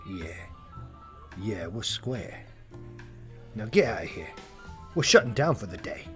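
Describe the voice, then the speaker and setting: A man voicing a gruff male bartender who trades information in an audio drama, haggling and grumbling. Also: on the low side, big pitch swings, measured pace, fairly bright tone, faint music behind. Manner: grumbling, haggling, tough-talking. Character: gruff male bartender, cagey info broker.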